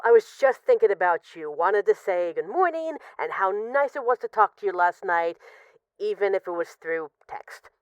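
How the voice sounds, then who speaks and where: Woman acting as female mafia boss, affectionate and wry, smooth voice, swooping intonation, hesitant conversational voicemail delivery, audio roleplay, slightly muffled dry recording. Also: mid-range voice, no room sound. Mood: playful, fond. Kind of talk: scripted audio roleplay as intimate rambling voicemails.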